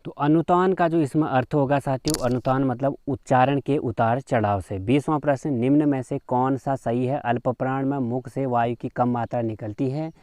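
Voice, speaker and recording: A man's voice: mid-range voice, steady tone, moderate pace, few pauses, a little mellow, no room sound. A man teaching a grammar lesson in quiz form. He reads each question aloud and then explains the answer, with frequent fillers, calling his viewers friends.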